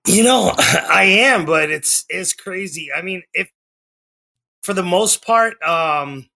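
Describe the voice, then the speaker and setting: A man's voice: high voice, expressive, takes it slowly, vocal fry, pushed and bright. A man in his forties with a Boston-area accent, a life coach chatting as a guest on a remote call, rambling with many ums and restarts. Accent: Boston area, non-rhotic. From Massachusetts, US. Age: 40s. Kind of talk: casual interview chat.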